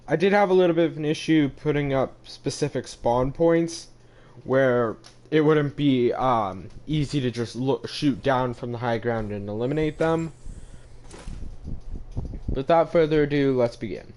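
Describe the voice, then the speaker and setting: A young man speaking through a voice changer that deepens his voice, giving a rambling, casual voice-over of his game map and often stopping to correct himself. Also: darkish tone. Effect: voice changer lowering the pitch.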